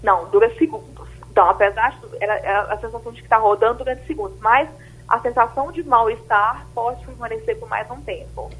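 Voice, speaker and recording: A woman doctor on a radio health show, explaining symptoms in a measured way, often starting with "então". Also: a little high, steady tone, fairly bright tone, husky, low-quality recording. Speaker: doctor guest.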